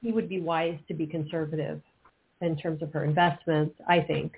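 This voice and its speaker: Woman co-host, gravelly voice, practical interjections, tinny line, faint hiss. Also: low-pitched, level tone, moderate pace. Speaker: psychic radio co-host. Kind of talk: radio call-in chat.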